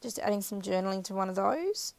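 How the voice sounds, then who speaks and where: Woman, casual craft-tutorial voiceover, scratchy and husky, rambling, dry close mic. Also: mid-range voice, animated, a little fast, a little mellow, no echo. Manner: chatty, rambling, self-correcting. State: croaky, scratchy voice. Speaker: craft video maker. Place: voiceover recorded apart from the footage.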